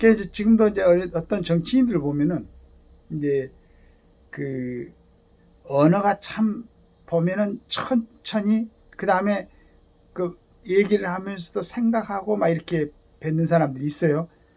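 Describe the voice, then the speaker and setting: Lively intonation runs through a man's high-pitched voice. Long pauses break up his speech frequently. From Jeolla region, South Korea. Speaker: YouTube commentator. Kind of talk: solo commentary monologue. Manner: hesitant, many filler words.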